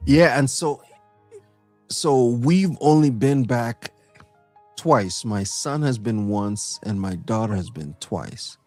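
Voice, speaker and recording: Faint music sits behind a middle-aged Trinidadian co-host whose mid-range voice carries a Trinidadian accent during a casual chat. He's animated and laughs easily, with lots of fillers and restarts.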